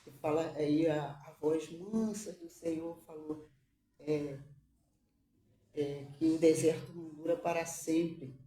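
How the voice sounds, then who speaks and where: Mother, emotional faith testimony, halting and tearful, mellow voice, echoey room, far from the mic. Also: low-pitched, steady tone. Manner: halting, repeats words, tearful at times.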